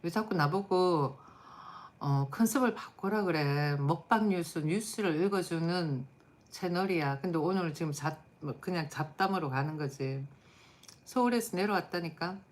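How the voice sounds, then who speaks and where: A woman's voice: on the low side, moderate pace. A middle-aged woman hosting a live stream, chatting casually and bluntly with viewers while tired. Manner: blunt, chatty, answers chat comments aloud.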